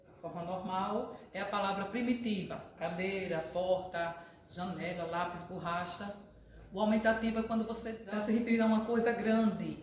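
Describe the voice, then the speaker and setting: A woman's voice: medium pitch, a little hiss or hum. A female schoolteacher from Brazil giving a recorded grammar lesson, explaining step by step and checking in with her pupils. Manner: explains slowly, checks in with "certo?". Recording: very echoey room, voice far from mic.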